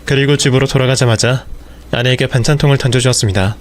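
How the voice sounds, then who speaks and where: A man narrating a story in the first person with plain, measured retelling. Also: mid-range voice, fairly even intonation.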